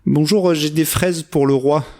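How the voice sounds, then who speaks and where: A man's voice: a little high, steady tone, unhurried, darkish tone, pitched above the performer's own voice. A man voicing a kind, simple male gardener in a spoken fairy tale, cheerful and good-natured.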